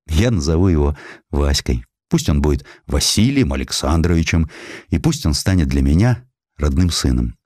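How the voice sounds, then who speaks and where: Bold hussar explorer, played by a male narrator, low commanding voice, formal oratory, dry audiobook sound. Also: lively intonation, moderate pace, darkish tone, no echo. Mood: tender, resolved. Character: bold, commanding Russian hussar officer and explorer, adult man.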